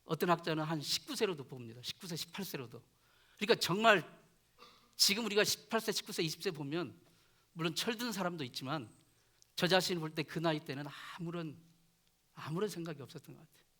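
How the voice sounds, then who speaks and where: A male pastor preaching a sermon in earnest, often letting his voice fall soft at the ends of phrases. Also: a little high, lively intonation, brisk. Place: church chapel.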